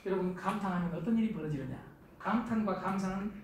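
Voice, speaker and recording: High-voiced man lecturing in echoey hall. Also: quick pace. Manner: animated, acts out quoted spouses in raised voice. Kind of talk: lively lecture to a live audience. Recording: echoey hall from far off, faint noise.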